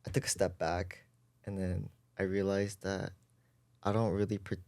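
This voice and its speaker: Deep-voiced young man rambling casually. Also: level tone, moderate pace, darkish tone, no echo. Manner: rambling, lots of "like". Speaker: guest volunteer. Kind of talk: casual podcast chat.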